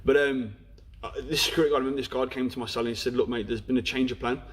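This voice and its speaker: A man's voice: mid-range voice, fairly even intonation, racing, husky. A young man with a Black Country accent, frankly telling his life story as an interview guest. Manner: frank, storytelling, peppered with "you know". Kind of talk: candid personal story in a podcast interview.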